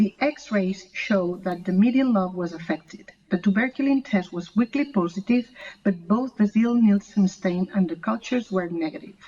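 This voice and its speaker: A woman's voice, medium in pitch with ordinary pitch variation, comes at a moderate pace amid noticeable background noise. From Spain. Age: 70s. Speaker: retired doctor and patient. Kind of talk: conference talk. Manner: formal.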